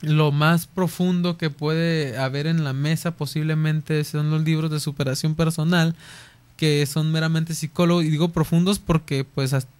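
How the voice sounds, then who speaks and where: A man giving an explanatory radio lecture on philosophy, pausing often to check in with his listeners. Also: fairly high pitch, a little mellow, clear, resonant tone. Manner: checks in with listeners by asking "¿sí?" after nearly every point.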